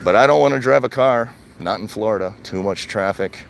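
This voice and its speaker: A man's voice: lowish voice, a little fast, creaky, slight background noise. Older Wisconsin man chatting on a walk. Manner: plain, conversational, repeats his points. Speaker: vlogger. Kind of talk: casual live-stream chat while walking. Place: outdoors, walking in a retirement community.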